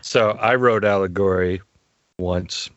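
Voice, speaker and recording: A young adult man hosting a podcast, talking in a relaxed, rambling way with many fillers. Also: deep voice, slow pace, no echo. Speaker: podcast host. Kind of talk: casual chat. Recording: dull lo-fi dry sound.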